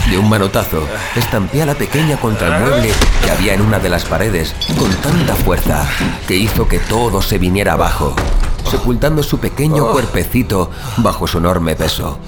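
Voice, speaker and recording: A man's voice: lowish voice, expressive, brisk, lightly acted. A man playing a tormented superhuman vigilante who narrates his own fall into violence in a brooding, dramatic horror audio drama. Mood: grim, intense. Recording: dramatic music behind the voice.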